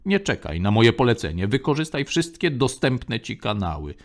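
A man doing a wry, gravelly space general. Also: mid-range voice, very animated, moderate pace. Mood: urgent. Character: cocky male smuggler-general, wry and quick.

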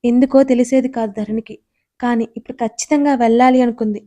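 Woman storyteller, scripted narration, calm reading, mellow tone, somewhat high voice. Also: fairly quick, dull audio.

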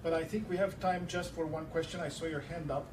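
Man from Romania, moderator; courteous time-keeper; higher voice, far from the mic in an echoey hall. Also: fairly even intonation, brisk. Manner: courteous, polite wrap-up. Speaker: event moderator. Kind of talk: chairing a lecture Q&A. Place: large lecture hall. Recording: echoey hall, heard from far off, clear background hum.

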